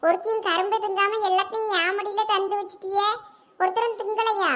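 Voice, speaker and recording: A woman speaks in a very high, bright voice with a thick Thoothukudi Tamil accent. She voices cartoon village women who bicker and tease each other in quick local slang. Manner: scolding, lively village banter. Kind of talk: cartoon voice acting.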